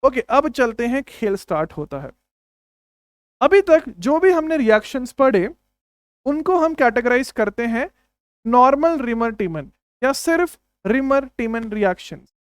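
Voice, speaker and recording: A man's voice: extremely high pitch, big pitch swings, measured pace, smooth, no room sound. A young man giving an exam-prep chemistry lecture, emphatic, repeating key phrases and calling students "my brother". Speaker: chemistry teacher.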